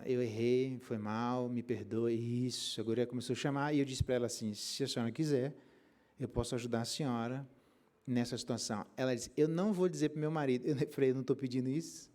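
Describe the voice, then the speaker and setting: A middle-aged Brazilian pastor preaching a Bible exposition, telling stories with colloquial slang and rhetorical questions. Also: male voice, medium pitch, darkish tone. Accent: Brazilian Portuguese.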